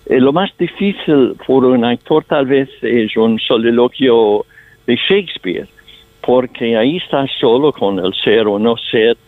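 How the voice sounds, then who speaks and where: A man's voice: mid-range voice, unhurried, no echo. An older male actor talking with a foreign accent in Spanish, thoughtful and anecdotal as he answers. His voice comes through a thin, tinny phone line. The sound is dry, with no room around it. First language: not Spanish. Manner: thoughtful, storytelling, slightly non-native Spanish phrasing. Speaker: stage actor, guest. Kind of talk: radio interview answers.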